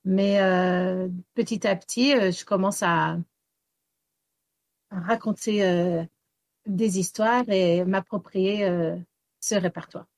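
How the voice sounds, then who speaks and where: A woman storyteller raised in Wales whose first language is English, answering interview questions haltingly with many fillers and restarts. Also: medium pitch, fairly even intonation, a little mellow, dry recording. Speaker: storyteller guest.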